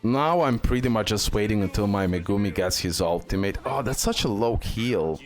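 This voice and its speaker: A man's voice: fairly low pitch, expressive, moderate pace, soft background music. A man giving casual, unscripted gameplay commentary as a video host, often repeating short phrases over and over.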